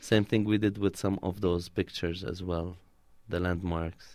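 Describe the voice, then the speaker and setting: A man with an Arabic accent speaks at a very deep, low pitch in a monotone, flat intonation. The recording is very clean, with a silent background. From Palestine and Jordan (Bethlehem, then Amman area). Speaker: community organizer. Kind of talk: radio interview. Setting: studio.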